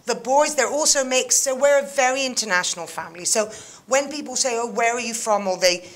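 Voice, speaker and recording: A woman's voice: a little high, animated, a little fast. A woman guest on a talk show, chatting animatedly with frequent laughs and fillers like um and you know. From England and Greece. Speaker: interview guest, mentoring manager. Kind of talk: casual chat.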